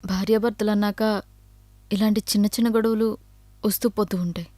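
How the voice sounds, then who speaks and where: An actress playing a young wife and daughter-in-law in a short film, polite at first, then shouting back at her husband. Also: medium pitch, steady tone, brisk, no room sound, close to an everyday voice. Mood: subdued. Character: young wife in an unhappy marriage.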